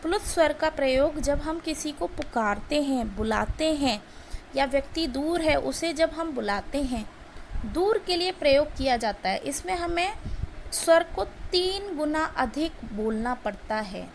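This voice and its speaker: Woman teacher, high gravelly voice, slow deliberate grammar lesson. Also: animated, a little hiss or hum, low-quality recording. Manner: slow, deliberate explanation, stretching example words. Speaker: Hindi teacher.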